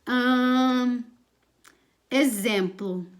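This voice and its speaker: Brazilian woman teaching online, chatty and teasing, slightly high voice. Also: extremely slow. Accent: Brazilian Portuguese. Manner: playful, chatty, teasing examples. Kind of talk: recorded online lesson.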